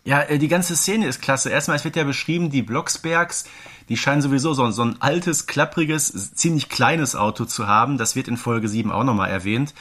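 Man, podcast co-host, medium pitch, casual chat, enthusiastic, emphatic. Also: moderate pace, a bit bright. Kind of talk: casual chat reviewing an audio drama.

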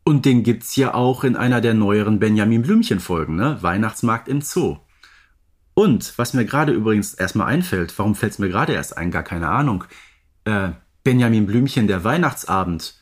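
A man's voice: lowish voice, animated, moderate pace. A man co-hosting a podcast, chatting casually about audio dramas. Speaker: podcast co-host.

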